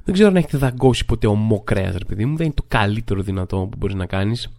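A man hosting a podcast, telling comic stories in a chatty monologue. He talks with lots of filler phrases and mimics other people's lines. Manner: animated, acts out other people's lines with jumps in pitch. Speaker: podcast host.

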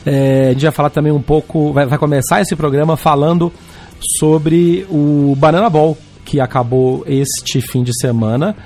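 Hoarse, honking Brazilian man hosting, dark-toned. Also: a little high, steady tone, moderate pace, soft background music. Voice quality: hoarse, honking voice with occasional cracks. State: hoarse from a throat problem. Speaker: podcast host. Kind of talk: casual sports podcast talk about tennis.

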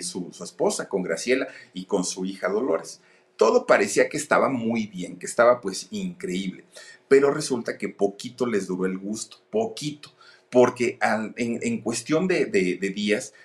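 Low-voiced chatty storyteller. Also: male voice. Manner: chatty, addresses listeners directly with asides. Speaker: storytelling host. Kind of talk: casual gossip storytelling.

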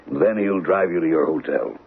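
A tinny, muffled old radio recording of an aging jewel merchant, very husky and raspy. He gives orders with measured, discreet authority, low and gravelly. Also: heavily acted. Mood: businesslike. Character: aging, discreet, cautious male jewel dealer boss. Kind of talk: old radio drama acting.

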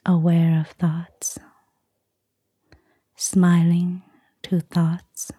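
A woman speaking in a soft, breathy near-whisper, calmly and soothingly guiding a meditation. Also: lowish voice, dry recording, studio quality. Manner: calm, slow, soothing. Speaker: Buddhist nun, meditation guide. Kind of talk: soft-spoken guided meditation.

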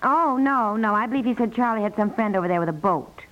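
A woman's voice: on the high side, animated, fast talker, fairly bright tone, dull audio. An actress playing a sensible, fussing wife and mother with a wry, chatty manner in 1950s radio comedy. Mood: sly, teasing. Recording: thin, band-limited 1950s radio recording.

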